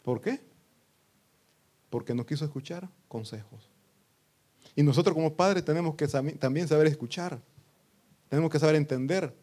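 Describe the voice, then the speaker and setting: A pastor preaching a sermon to his congregation, breaking into loud outbursts and acting out what people say. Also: fairly high pitch, normal speed, pauses often. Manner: preaching with sudden loud outbursts and acted quotes.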